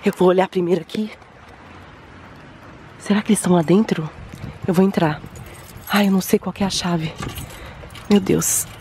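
A Brazilian woman, a mother, narrating a dramatized family vlog in an anxious, hushed manner that turns frantic. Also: fairly low pitch, steady tone, normal speed, long pauses, a little hiss or hum. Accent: Brazilian Portuguese. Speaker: vlogger and mother.

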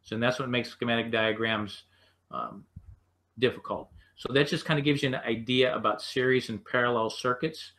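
An American man gives an unscripted technical lesson in a mid-pitched voice. He explains things piece by piece, in short halting phrases, as an instructor walking learners through material. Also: fairly bright tone. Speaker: HVAC instructor. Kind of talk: unscripted slide lecture.

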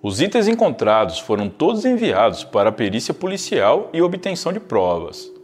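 A man's voice: mid-range voice, sing-song, moderate pace, slight background noise. A man, narrating a true crime case in a scripted, storytelling way as a video host. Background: faint background music.

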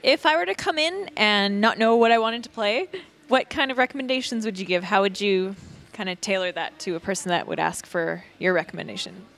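A woman asks polite, measured questions on location in a board game cafe. Her voice sits in the middle range, and she speaks into a handheld mic. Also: mid-range voice, lively intonation, vocal fry, a bit bright. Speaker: interviewer.

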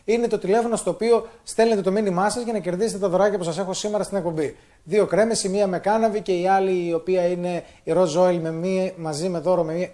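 A man's voice: high-pitched, dark tone. A man hosting cheeky street interviews for local television, teasing passers-by with personal questions at an outdoor market.

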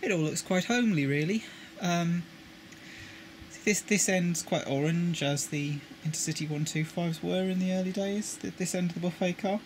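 A man's voice: high-pitched, normal speed, a little hiss or hum, low-quality recording. A British man explaining his model railway coach lighting work in a casual tutorial, often repeating words as he handles the parts. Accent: British English. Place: indoors at a table with a model railway.

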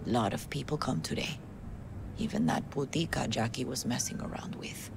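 Gravelly, grieving Latina mother. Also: a bass voice, normal speed, in a whisper. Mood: scornful. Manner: mixes Spanish words into her English. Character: bereaved Mexican-American mother, warm, proud, sharp-tongued matriarch. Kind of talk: cinematic video game acting. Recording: music behind the voice.

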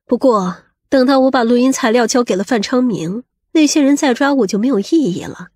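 A woman performs a protective, scheming middle-aged mother in an audiobook drama. Her voice is on the high side and husky, recorded dry. She speaks emphatically, with a scolding, exclamatory edge. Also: expressive, brisk, darkish tone, no room sound. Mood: calculating, firm.

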